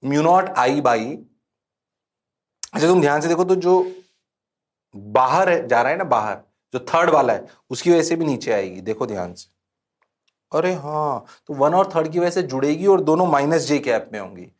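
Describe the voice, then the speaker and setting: A man teaching physics in an animated, playful exam-prep lecture, who teases his students and answers for them in a low mumble. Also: moderate pace. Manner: playful, teasing, sings out exclamations; mimics students' replies in a low voice.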